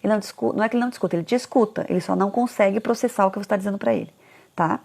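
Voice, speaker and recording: Brisk, lively woman coaching parents, slight vocal fry. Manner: animated, acts out parents' complaints in a high voice. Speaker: parenting educator. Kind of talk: casual talk to parents.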